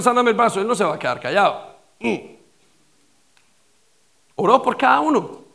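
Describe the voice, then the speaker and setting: A male pastor with a high, gravelly voice preaches a sermon full of rhetorical questions and repetition. He swings between loud emphasis and quiet, dropped lines.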